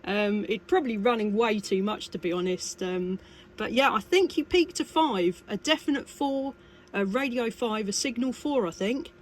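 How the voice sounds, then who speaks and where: A woman's voice: a little high, expressive, normal speed. A chatty, exclamatory woman operating a CB radio in a two-way chat. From United Kingdom. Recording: radio contact with faint static.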